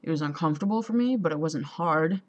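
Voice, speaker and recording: A young trans man talking casually to a camera, hesitant, with many ums and pauses, and a voice that still sounds female. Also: fairly high pitch, animated. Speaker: vlogger. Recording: dull lo-fi home recording.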